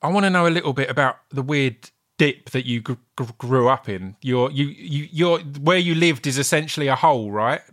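A man's voice: medium pitch, moderate pace, few pauses, a bit bright. A man hosting a podcast, friendly and enthusiastic, stumbling into a few restarts. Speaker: podcast host. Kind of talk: casual podcast chat.

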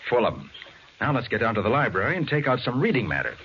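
A man's voice: medium pitch, sing-song, fast, close to an everyday voice. An actor playing a cool, resourceful male private detective in a 1940s American radio crime drama, with an American accent. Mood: confident, brisk. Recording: muffled, noisy 1940s radio recording.

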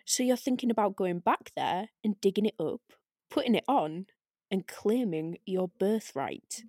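In an audio drama read, a woman voices a silky, taunting, disembodied arcane spirit, coolly persuasive and sardonic, drawing out and savouring each needling phrase. Her mid-range voice is expressive, warm and husky, recorded close and dry with no room sound.

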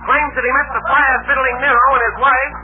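An actor playing a brisk, amused male radio newscaster with rapid-fire announcing. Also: very high-pitched, little pitch movement, heavy background noise. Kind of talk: 1940s radio acting. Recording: tinny old radio broadcast.

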